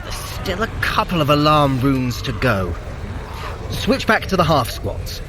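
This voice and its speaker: An actor playing a sly, haughty trickster god of magic in an audio drama, teasing and theatrical. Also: male voice, on the high side, big pitch swings, measured pace, noisy background. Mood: focused, instructing. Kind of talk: audio drama fitness adventure acting.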